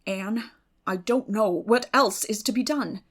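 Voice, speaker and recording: A woman's voice: mid-range voice, measured pace, natural voice. A woman voicing a weary, bitter older farm woman in an audiobook, speaking in plain rural phrases with sad resignation. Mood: sorrowful, resigned. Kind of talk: dramatic audiobook reading.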